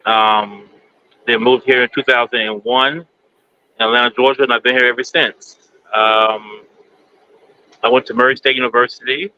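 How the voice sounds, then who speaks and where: A man in his forties from Kentucky, a guest answering interview questions in a halting, plainspoken way with many pauses. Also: medium pitch, fairly even intonation. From United States, Kentucky. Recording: dull lo-fi sound, faint background noise.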